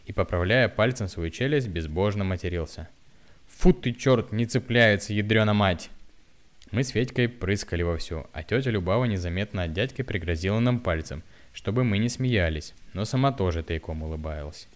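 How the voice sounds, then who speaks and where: A man reading a story aloud in a calm, even narrating voice. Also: low voice, a little fast, few pauses. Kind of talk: audiobook narration.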